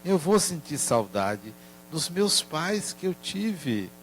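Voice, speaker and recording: A man voicing his sad four-year-old grandson, speaking softly and plaintively through tears. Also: a little high, sing-song, slow pace, a little hiss or hum. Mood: sad, tearful.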